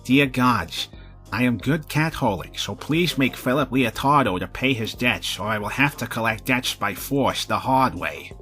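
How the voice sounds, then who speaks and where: A man's voice: medium pitch, a little slow, bright, forceful tone, soft background music. A man voicing a blustering, menacing mob boss in a comic story, speaking broken English in a blunt, melodramatic way. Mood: solemn. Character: menacing, blustering male mob boss, cowardly when cornered.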